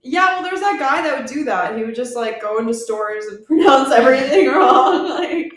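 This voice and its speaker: A woman's voice: sits high, expressive, normal speed. A young woman co-hosting a casual podcast, offhand and laughing, often trailing off mid-thought. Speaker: podcast co-host. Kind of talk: casual chat. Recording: echoey room, no proper mic.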